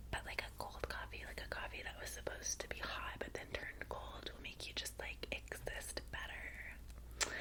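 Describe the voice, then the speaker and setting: A low-voiced woman speaks in a soft, breathy whisper with a Valley girl American accent. She plays a vampire's soothing personal assistant in an ASMR roleplay, chatting casually and giving close personal attention. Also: low-quality recording.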